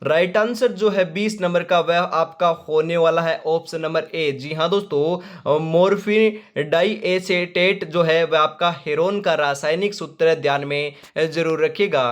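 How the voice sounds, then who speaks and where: A young male teacher runs through exam quiz questions with a slightly high voice. He reads out each option and then repeats the correct answer with emphasis. He talks to his viewers as friends and keeps a steady, insistent teaching rhythm. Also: unhurried, hardly any pauses.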